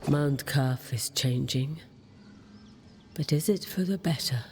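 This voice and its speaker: A woman voicing a grave, mysterious figure in a video game, hushed and ominous. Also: a bass voice, takes it slowly, faint music behind. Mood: brooding, ominous.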